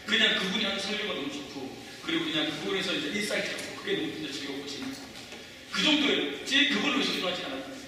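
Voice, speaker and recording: A man's voice: sits high, very animated, quick pace, recorded from a distance, noisy background. A pastor in his forties preaching a sermon, talking conversationally and quizzing the congregation with questions, heard from off the mic in an echoey church hall. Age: 40s.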